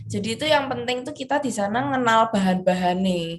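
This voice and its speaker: A somewhat breathy woman with a strong Javanese accent. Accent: thick Javanese. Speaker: cooking show finalist. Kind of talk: interview. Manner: casual, chatty.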